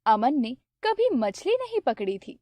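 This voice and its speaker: Dry, close higher woman narrator. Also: a little slow, dry recording. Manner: steady, plain telling. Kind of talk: storybook narration.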